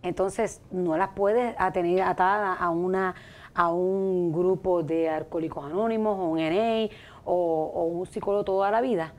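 A middle-aged woman from Puerto Rico with a Puerto Rican accent, a life coach speaking haltingly in a studio interview on a lapel mic. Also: fairly low pitch, fairly even intonation, darkish tone. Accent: Puerto Rican Spanish. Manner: hesitant, many fillers and restarts.

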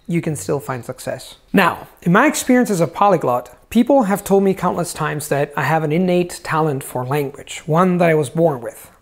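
A man in his thirties, a language teacher, explaining ideas to the camera in an expressive, emphatic way, wearing a lapel mic in a room lined with books. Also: a little high, gravelly. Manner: expressive, gestures a lot, stresses words. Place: indoors in front of a large bookshelf.

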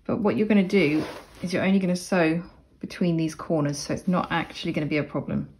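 Relaxed, chatty woman teaching sewing. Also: lowish voice, fast, a little hiss or hum. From Cornwall, England. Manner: relaxed, chatty, self-deprecating asides. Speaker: sewing instructor. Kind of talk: casual step-by-step tutorial narration.

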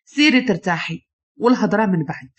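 A woman's voice: medium pitch, expressive, fast talker, lightly acted. A woman with a Moroccan accent voicing a stern, protective, wealthy father who gives orders. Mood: stern, worried. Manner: commanding, worried.

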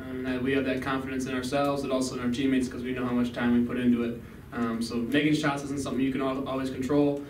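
A young male college basketball player answering postgame press questions steadily, with frequent "um, you know.". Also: mid-range voice. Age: young adult. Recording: echoey room, mic at a distance, background noise.

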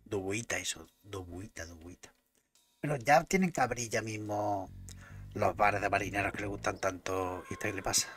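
A man's voice: on the low side, normal speed, a bit bright, soft background music. A man casually commentating a game, chatting to himself and swearing now and then. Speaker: gameplay commentator.

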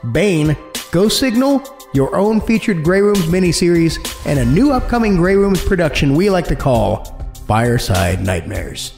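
High-voiced theatrical man hosting, echoey room. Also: darkish tone. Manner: playful, theatrical. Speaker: podcast host. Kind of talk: theatrical horror podcast hosting.

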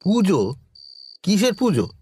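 A man's voice: high voice, huge pitch swings, a little slow, a little mellow, slight background noise, heavily acted. An actor playing a worried yet stoic village man in a horror audio drama, speaking in a familiar, emotive way. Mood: anxious, questioning. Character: male villager friend, worried yet stoic, plain-spoken.

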